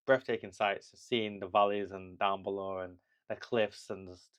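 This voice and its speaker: A young man talking casually to camera in a travel vlog, chatty and rambling, with laughs and restarts, reassuring the viewer. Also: lowish voice. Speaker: travel vlogger.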